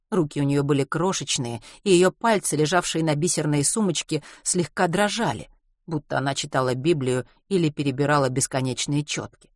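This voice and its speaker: Calm audiobook narrator, dry sound. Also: medium pitch, no room sound. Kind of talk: scripted narration.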